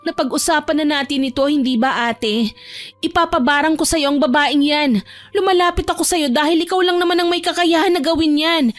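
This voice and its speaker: Woman voicing a high-pitched, angry, whiny younger sister. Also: brisk, dry recording, faint music behind, natural voice. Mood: insistent. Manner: whiny, indignant, dramatic. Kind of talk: audio drama storytelling.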